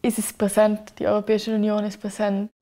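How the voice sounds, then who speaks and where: A woman's voice: mid-range voice, monotone, brisk, warm tone. A young woman, a student, speaking casually as she answers an interview question. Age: young adult.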